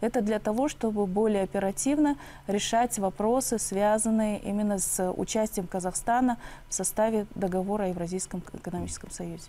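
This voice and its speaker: The voice has a dark, mellow tone and fairly even intonation at a fairly quick pace. Light background noise runs underneath. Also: woman. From Kazakhstan. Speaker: government official; guest. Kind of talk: TV interview. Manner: formal. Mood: calm, confident, explanatory. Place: studio. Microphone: lapel.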